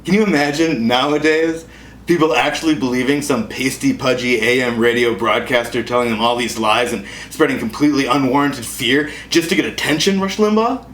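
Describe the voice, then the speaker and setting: A man's voice: medium pitch, fairly quick, a bit bright. An American man hosting a comedy show with a casual, wry, self-deprecating and sarcastic monologue. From Wisconsin, United States. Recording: echoey room with clear background noise.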